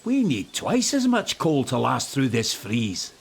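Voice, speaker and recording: Man voicing an urgent, animated station master. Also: mid-range voice, measured pace, vocal fry, breathy edge, exaggerated voice. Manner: exclaiming, urgent.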